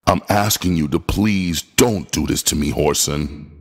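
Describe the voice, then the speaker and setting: A man's voice: a bass voice, unhurried, breathy edge, full character voice. A man voicing a frightened young woman who pleads in a broken voice. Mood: pleading.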